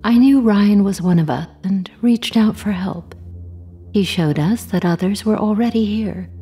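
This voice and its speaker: Husky, breathy, cold villainess. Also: female voice, mid-range voice, unhurried, warm tone. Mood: cold, controlled. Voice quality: breathy, husky, half-whispered. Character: cold, sinister female monster disguised as human conspirator. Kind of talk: horror audio drama acting.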